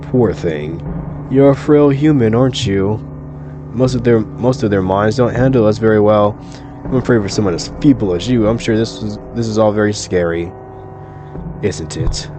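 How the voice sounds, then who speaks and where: A man voicing a female eldritch deity who speaks slowly and condescendingly, soothing yet menacing. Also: fairly low pitch, lightly acted. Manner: slow, courtly, condescending.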